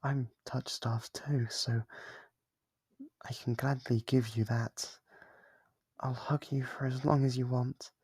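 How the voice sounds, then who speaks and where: Man voicing a breathy, obsessive lonely demon. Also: mid-range voice, little pitch movement, darkish tone, dry recording. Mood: tender, needy. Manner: intimate, coaxing, hesitant pauses. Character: lonely, devoted, obsessive sealed demon, tender and clingy. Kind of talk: ASMR roleplay monologue.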